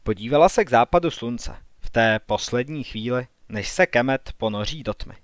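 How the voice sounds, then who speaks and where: A man's voice: mid-range voice, animated, no echo, clean studio sound. A man narrating an audiobook in the first person, reading evenly and with measure.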